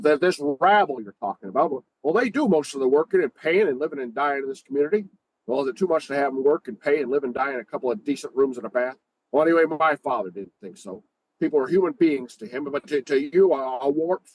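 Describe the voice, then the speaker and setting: A man playing an earnest, fiery young small-town man in a radio play, with a halting, stammering, folksy delivery. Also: a little high, dry recording, natural voice, low-quality recording. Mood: indignant. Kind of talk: stage radio play acting.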